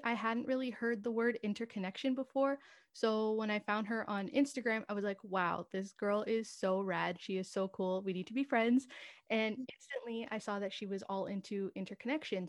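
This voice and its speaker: An enthusiastic woman hosts a podcast interview in a bubbly, eager way, often laughing as she talks. Her voice sits at a middle pitch. The sound is dry and close, with no room behind it. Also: normal speed, no room sound. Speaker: podcast host.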